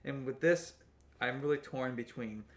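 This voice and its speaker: A man's voice: medium pitch, normal speed, echoey room. A man co-hosting a podcast, telling rambling anecdotes in casual chat and laughing at his own jokes. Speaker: co-host, comic book artist.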